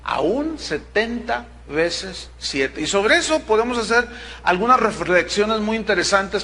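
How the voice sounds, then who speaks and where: A man's voice: sits high, sharp tone. A middle-aged man preaching a sermon as pastor, emphatic and stopping to check that his listeners follow. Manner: emphatic, with rhetorical check-ins to the congregation.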